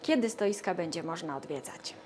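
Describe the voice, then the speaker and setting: A woman's voice: lowish voice, expressive, moderate pace, darkish tone, slight background noise. A woman asks questions as a television interviewer in a studio. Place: TV studio, seated at a glass desk.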